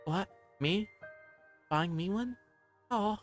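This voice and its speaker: A man's voice: sits high, takes it slowly, soft background music, pitched above the performer's own voice. A man voicing a shy, polite young waitress with a hesitant way of talking in a visual novel. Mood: shy, flustered.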